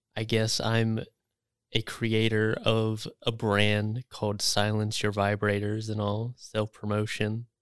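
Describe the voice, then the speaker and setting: A man's fairly low, monotone voice with flat intonation, delivered at a very slow pace on a very clean recording with a silent background. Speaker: university student. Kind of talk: casual chat.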